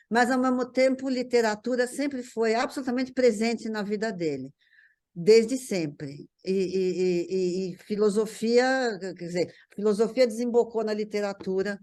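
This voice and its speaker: A woman's voice: on the high side, a little mellow. A middle-aged Brazilian woman recalling memories in casual conversation, often repeating words as she searches for phrasing. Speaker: guest recalling a writer relative.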